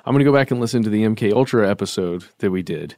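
A man's voice: lowish voice, very fast, darkish tone, no echo, clean studio sound. A man co-hosting a podcast, chatting casually with a guest and the listeners. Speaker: podcast co-host. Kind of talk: casual conversational interview.

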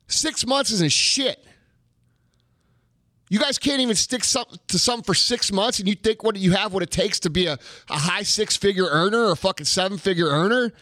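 A man's voice: high voice, bright, forceful tone, no echo, clean studio sound. A man giving a blunt, profane motivational rant, hammering his points home with emphatic repetition. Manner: blunt, emphatic, heavy swearing. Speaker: motivational speaker.

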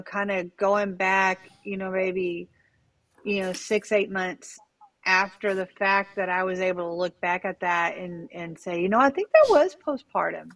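A woman in her thirties speaks slowly and haltingly, circling back with fillers as she reflects. Her voice sits in a middle register, and the sound is close and dry. She talks as a guest in a relaxed, candid chat. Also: lowish voice, dry recording, low-quality recording. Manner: hesitant, lots of fillers and restarts. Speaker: podcast guest. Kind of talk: candid conversational storytelling.

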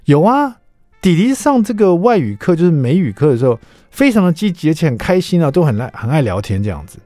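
A man putting on the voice of a cheerful kindergarten teacher who reports back in a bright, reassuring, sing-song way, in a radio studio. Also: on the high side, sing-song, fast, no room sound, soft background music, voice pushed up.

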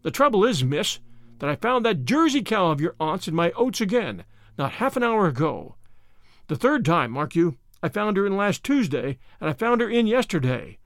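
A furious, stout middle-aged farmer blusters and splutters, his voice leaping high and swinging wildly, as a male narrator puts him on. The sound is close and dry, with no room around it. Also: big pitch swings, moderate pace, no echo.

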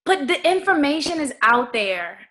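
A woman from Virginia hosting a casual interview, chatty and quick to laugh. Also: sits high, sing-song, bright, forceful tone.

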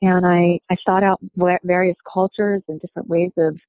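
Soft, flat-toned woman on a tinny line. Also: fairly low pitch, no room sound. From United States. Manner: reflective, halting, peppered with "you know". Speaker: interviewee. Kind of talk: personal storytelling. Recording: dry, tinny phone-like sound.

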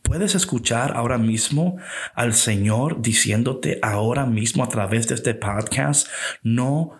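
A man's voice: mid-range voice, measured pace. Earnest man preaching a podcast sermon. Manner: earnest, exhorting, closes in prayer; slips into English phrases. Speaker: pastor.

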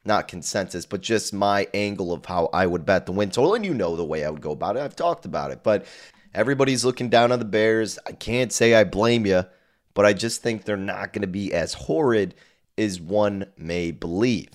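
Male sports podcast host, low and a little hoarse, chatting casually in a rambling monologue. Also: moderate pace. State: slightly hoarse.

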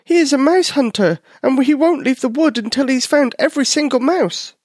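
A man doing a squeaky frightened little mouse. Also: moderate pace, dry recording, studio quality. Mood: scared. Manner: high, excited, fearful. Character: small frightened young male mouse.

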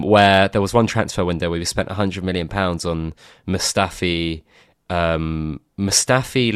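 Animated podcast host, dry mic. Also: male voice, low voice, no echo. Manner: animated, laughs often, fast rambling runs. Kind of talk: casual chat.

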